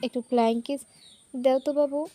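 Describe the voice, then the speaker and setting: A teasing young college man, as a woman reads him in her own high voice. He talks cheekily and plays jokes on his best friend. It sounds like a storybook read aloud. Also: fairly even intonation, moderate pace, dark tone, lightly acted. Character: playful teasing young male college student.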